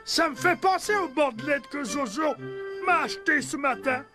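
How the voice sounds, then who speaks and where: A man's voice: very high voice, expressive, moderate pace. A man voicing a chatty, mischievous cartoon animal with a drawling delivery. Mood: gossipy. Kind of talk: cartoon voice acting. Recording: cartoon soundtrack with music behind.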